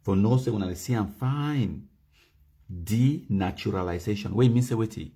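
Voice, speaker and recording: A Cameroonian man speaking Pidgin-flavoured English on a livestream, his voice low, dark and a little husky. He slows down to read out legal wording, leans hard on key words, then turns to his viewers and asks them to type in the comments. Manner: mixes Pidgin and English, reads documents slowly and stresses key words. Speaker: livestream host. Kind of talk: live broadcast commentary, reading legal text aloud.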